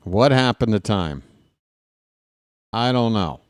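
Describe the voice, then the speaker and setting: A man's voice: on the low side, slow pace, dry recording, clean studio sound. A man in his late forties doing casual live play-by-play of a baseball game, mixing calls with wry, sarcastic asides and grumbling. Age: 40s. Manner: gets loud and animated when ranting. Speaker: fan play-by-play broadcaster.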